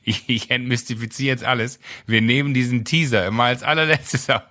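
A man co-hosting a podcast in casual banter over a remote call, halting and repeating words, often laughing. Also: mid-range voice, steady tone, bright, forceful tone. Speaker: podcast co-host.

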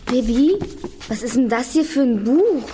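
A woman's voice: fairly high pitch, expressive, normal speed, warm tone, slight background noise, lightly acted. A woman playing a curious, fascinated young girl in a children's audio drama, speaking with eager wonder. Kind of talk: children's radio play acting.

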